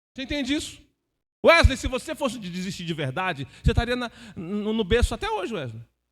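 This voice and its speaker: A man with a high-pitched, animated voice talks very fast, his pitch swinging very widely. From Brazil, Piauí. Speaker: pastor. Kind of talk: sermon.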